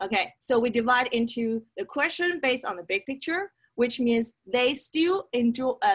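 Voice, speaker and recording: This woman has a high-pitched voice with lively intonation. She speaks with a Chinese accent. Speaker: test prep teacher. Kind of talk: lecture. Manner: casual, conversational with frequent okay and right.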